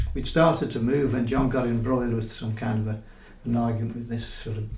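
In a Liverpool accent, a man talks at a fairly quick pace and a medium pitch. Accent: Liverpool (Scouse) English. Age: 80s+. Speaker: retired drummer, musician. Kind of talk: casual interview. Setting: home dining room.

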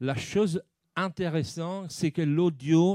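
With an Italian accent, a man speaks in a high pitch and a dark, mellow tone at a fairly slow pace. His pitch varies in an ordinary way, and the sound is dry and close with no echo. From Italy. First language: Italian (speaking French). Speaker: mobile content trainer and producer. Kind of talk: workshop talk. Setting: conference room with audience.

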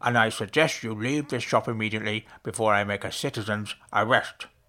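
A man does a put-on character voice at a medium pitch and a fairly quick pace, on a very clean recording with a silent background. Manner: stern.

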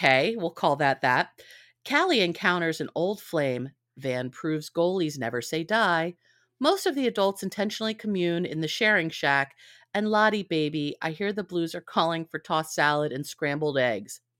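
A woman's fairly low, unremarkable speaking voice at a moderate pace with lively intonation, in a dry, close sound with no echo and a very clean recording with a silent background. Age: 50s. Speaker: podcast co-host guest discussing TV show. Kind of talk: casual chat recapping a TV episode.

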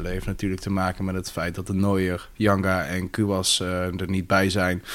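In a very deep, low pitch, a man talks at a fairly slow pace. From Netherlands. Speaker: football podcast host. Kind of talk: casual chat.

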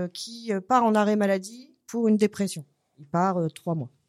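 A woman talks in an ordinary speaking voice, fairly high in pitch with ordinary pitch variation. Her pace is fairly slow, and the recording is very clean with a silent background. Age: 40s. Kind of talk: casual chat. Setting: studio.

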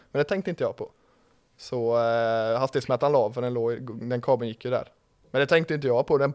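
A man's normal speaking voice at medium pitch, fairly quick and fairly even in intonation, with dry, close sound, no echo and a very clean recording against a silent background. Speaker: drag racing driver and crew member. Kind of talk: casual chat.

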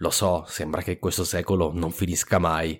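A man with a very deep, low voice speaks at a fairly quick pace in a very clean recording with a silent background. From Abruzzo, Italy. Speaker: history podcast host. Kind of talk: narrated history lecture and interview.

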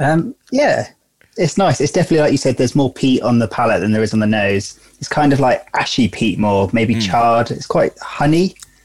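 Lively intonation marks this man's ordinary speaking voice, pitched in the medium range. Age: 20s. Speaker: whisky blogger and YouTube reviewer. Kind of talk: casual chat.

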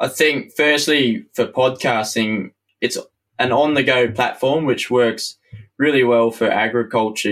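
This man speaks in an Australian accent at a medium pitch. His intonation stays fairly even. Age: 20s. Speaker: farming podcast host. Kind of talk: casual interview.

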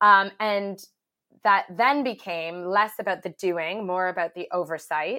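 Here a woman has an ordinary speaking voice at a medium pitch. She goes at a fairly slow pace with ordinary pitch variation. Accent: Canadian. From Canada. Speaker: nonprofit managing director. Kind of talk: interview answers.

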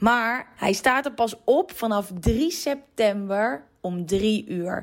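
A woman with a plain, everyday voice speaks at a medium pitch with lively intonation. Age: 30s. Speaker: podcast host. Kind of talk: casual chat. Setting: studio.

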